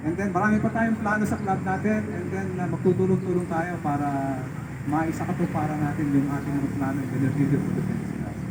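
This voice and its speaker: A man talks at a fairly quick pace with lively intonation and a fairly high pitch. Audible room echo and noticeable background noise are present. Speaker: tennis club official. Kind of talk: welcoming speech.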